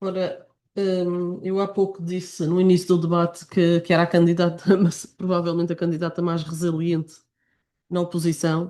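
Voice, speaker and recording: In a quiet setting, a woman with a fairly low pitch and a dark, mellow tone speaks at a moderate pace in a monotone, flat intonation. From Madeira, Jardim do Mar. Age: 50s. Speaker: local election candidate, teacher. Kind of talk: political debate.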